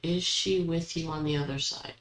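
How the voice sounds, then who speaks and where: A woman hosting a paranormal session, asking questions aloud and commenting casually, with halting pauses between them. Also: sits low, fairly even intonation, fairly bright tone. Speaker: host of a spirit box session. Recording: roomy echo, background noise.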